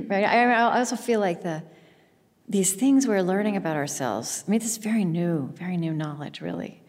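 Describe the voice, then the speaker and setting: A woman's voice: medium pitch, normal speed, darkish tone. A woman hosting an interview, thinking aloud with searching phrasing. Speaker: interview host. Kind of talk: conversational interview. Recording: long hall reverb.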